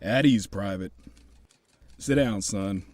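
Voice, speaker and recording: A man's voice: lowish voice, slow pace, a little mellow. Man acting a fatherly, folksy US Army officer. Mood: genial. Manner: folksy, commanding, addresses juniors paternally. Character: genial, probing older US Army officer, fatherly authority. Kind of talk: audio drama acting.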